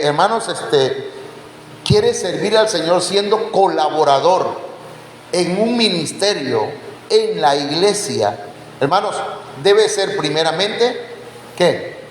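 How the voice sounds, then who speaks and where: Slow-talking preacher in an echoey hall. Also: male voice, sits high, animated. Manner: quizzes the congregation with questions; addresses listeners as brothers. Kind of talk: Bible teaching sermon. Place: church hall. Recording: echoey church hall, faint background noise.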